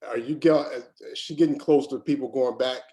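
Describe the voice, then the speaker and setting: A man's voice: medium pitch, steady tone, moderate pace, dark tone. Plain-spoken man giving casual feedback. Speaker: table read participant giving feedback. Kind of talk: casual group discussion.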